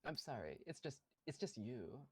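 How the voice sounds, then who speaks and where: An excitable male tabletop player with a fairly high, very animated voice. It is forceful and husky, recorded dry and close, with halting casual banter. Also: no room sound. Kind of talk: casual game banter, partly in character.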